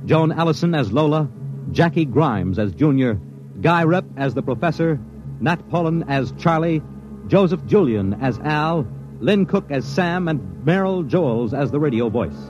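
A man announcing in a crisp, formal broadcast style at the close of a radio show. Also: a little high, animated, measured pace. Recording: dull old radio broadcast with music.

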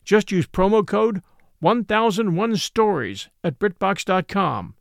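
High-voiced male podcast host, animated. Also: measured pace, vocal fry, no room sound, clean studio sound. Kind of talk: scripted promotional read.

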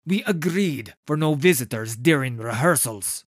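A man's voice: medium pitch, lively intonation, moderate pace, no echo, clean studio sound, voice pushed up, lightly acted. A man voicing a nervous, fawning leader of an acting troupe, speaking in a raised, flustered voice. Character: fretful, fawning male theater troupe leader. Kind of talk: storybook character voice.

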